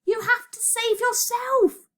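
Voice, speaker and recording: A woman voicing a bossy, exasperated young immortal girl in a storybook, yelling insistently. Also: very high voice, sing-song, fairly quick, pitched above the performer's own voice.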